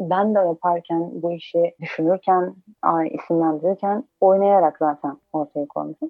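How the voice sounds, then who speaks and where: Music in the background under a woman's medium-pitched voice, moderate in pace with ordinary pitch variation. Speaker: visual artist. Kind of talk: interview. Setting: remote call from Ayvalık.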